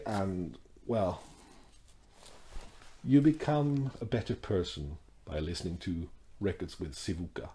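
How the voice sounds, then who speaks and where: Mellow-voiced man in his forties. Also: lowish voice. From Sweden. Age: 40s. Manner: unhurried, rambling, with fillers and restarts. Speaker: record collector. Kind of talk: casual vlog chat.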